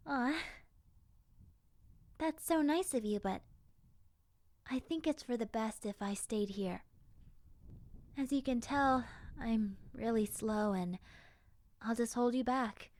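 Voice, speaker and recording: Woman voicing a slow, sweet, high-pitched zombie girl. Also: no echo. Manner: soft, hesitant, sighing, childlike sincerity. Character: friendly, gentle, wistful young zombie girl survivor. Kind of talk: roleplay audio drama monologue.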